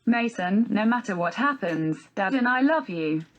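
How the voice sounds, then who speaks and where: A synthetic text-to-speech woman's voice voicing a protective young mother in a storybook reading, with a flat synthetic delivery. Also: mid-range voice, moderate pace, lightly acted, low-quality recording. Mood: tender.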